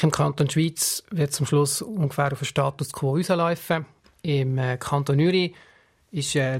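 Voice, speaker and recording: Male radio pundit, Swiss German accent, higher-than-average pitch, measured and explanatory. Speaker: political scientist interviewed as analyst. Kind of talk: radio interview analysis.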